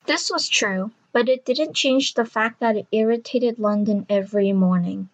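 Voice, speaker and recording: A woman's voice: a little high, normal speed. A woman reading scripted story narration for an audio drama.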